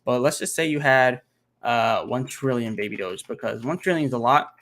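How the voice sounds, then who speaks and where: Male streamer answering viewer questions, loose and rambling, working sums out loud. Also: mid-range voice, moderate pace. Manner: rambling, thinks aloud while doing math, many fillers. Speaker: crypto channel host. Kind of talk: casual livestream Q&A. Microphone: home computer setup, single monitor.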